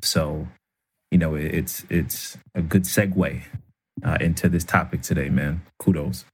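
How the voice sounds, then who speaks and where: A man co-hosting a casual talk show in a very low voice. It has a husky edge, yet his delivery is smooth and radio-like. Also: fairly even intonation, unhurried. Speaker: podcast co-host. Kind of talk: casual conversation.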